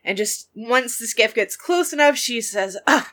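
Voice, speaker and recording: A woman's voice: a little high, expressive, unhurried, fairly bright tone. A woman taking part as a player in a tabletop game, upbeat and chatty. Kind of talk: casual introduction and in-character narration.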